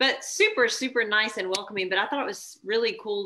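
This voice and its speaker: A woman's bright, sharp voice with a Southern US accent and ordinary pitch variation. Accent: Southern drawl. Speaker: podcast host, competitive shooter. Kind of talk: casual chat. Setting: live podcast.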